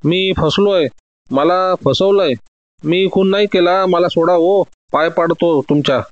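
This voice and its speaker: A man's voice: high-pitched, a little slow, no echo, dull audio, voice pushed up. A man doing a whimpering, terrified suspect. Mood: begging. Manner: whimpering, begging. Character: frightened crying male suspect, pleading.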